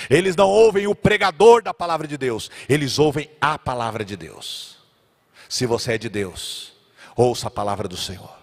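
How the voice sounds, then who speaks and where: A man preaching a sermon as pastor, dramatically acting out biblical characters and swinging between loud and quiet. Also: in a large hall. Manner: dramatic, acts out biblical characters with big swings in pitch and volume.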